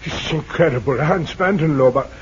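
A man's voice: a little high, fairly quick, close to an everyday voice. An actor playing an earnest male ally in the jungle who speaks formally and stiffly, without contractions, in 1940s radio style. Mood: grave. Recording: dull, hissy old radio recording.

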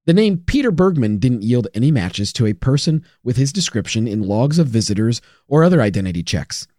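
Male co-host, careful wry narrator, warm mellow voice, dry close mic. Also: mid-range voice, sing-song, a little fast, no room sound. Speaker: podcast co-host. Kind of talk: true crime podcast narration.

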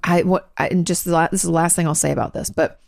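Congested woman with a gravelly low voice. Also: fairly even intonation, fast, darkish tone, dry recording, studio quality. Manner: frank, earnest, lots of fillers and restarts. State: congested, clearing her throat. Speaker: podcast host answering listener questions. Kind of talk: casual advice talk.

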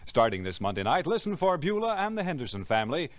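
A man's voice: a little high, very animated, quick pace, no room sound. An American man reading a scripted promo as an announcer in mid-century radio style.

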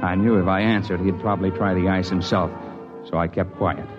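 A man narrating a mountain adventure in the first person, steady and matter-of-fact, in an old radio drama style. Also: deep voice, brisk, lightly acted. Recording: lo-fi old radio broadcast with music.

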